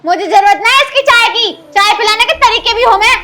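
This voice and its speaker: A woman's voice: very high voice, brisk, sharp tone. A woman playing a scornful village mother-in-law. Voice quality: scolding, contemptuous. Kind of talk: rural Hindi film drama.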